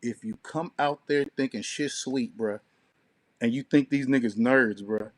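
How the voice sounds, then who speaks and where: A man's voice: medium pitch, unhurried. A man co-hosting a talk show, giving brash, slangy comic commentary. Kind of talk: casual comedic commentary.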